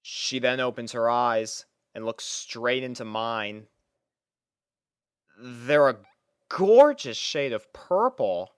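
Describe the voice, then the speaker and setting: A young man narrates a first-person story from a script. His voice is smooth and clean, with a medium pitch, recorded close and dry. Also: a bit bright, no echo.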